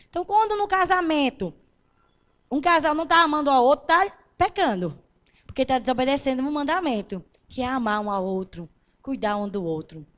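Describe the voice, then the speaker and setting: A woman pastor preaching a sermon, swinging between loud emphatic declarations and soft, intimate lines as she addresses the congregation directly. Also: high-pitched.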